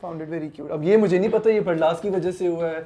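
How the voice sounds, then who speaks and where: A man's voice: on the high side, dark tone, a little hiss or hum. A male actor in an interview, recounting a shoot earnestly and mixing two languages. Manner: earnest, mixing Urdu and English. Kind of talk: casual interview chat.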